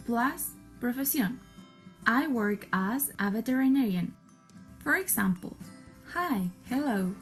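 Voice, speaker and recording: A woman narrating a scripted language lesson, speaking model sentences slowly and carefully. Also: fairly high pitch, darkish tone. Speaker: English teacher in a video.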